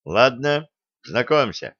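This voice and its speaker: A man's voice: mid-range voice, sing-song, slow pace, fairly bright tone, no echo, heavily acted. A stern karate sensei gives short, commanding orders, voiced by a male reader. The sound is dry and a little muffled. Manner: curt, commanding.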